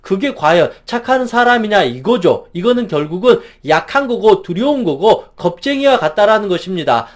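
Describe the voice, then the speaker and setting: A man lecturing as a counselor, talking emphatically and asking the listener rhetorical questions. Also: high-pitched. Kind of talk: motivational psychology lecture.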